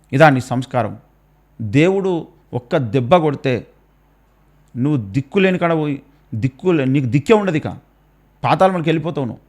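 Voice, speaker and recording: A man's voice: a little high, a little mellow. A man with a Telangana Telugu accent, a Christian commentator scolding with pounding rhetorical questions and repeated warnings. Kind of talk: preachy rebuttal.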